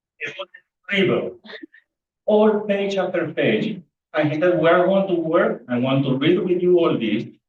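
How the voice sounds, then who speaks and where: Speaking with a Spanish accent, a man talks at a moderate pace. His intonation is lively. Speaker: professor. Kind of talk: conference talk, personal tribute. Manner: halting, with repetitions.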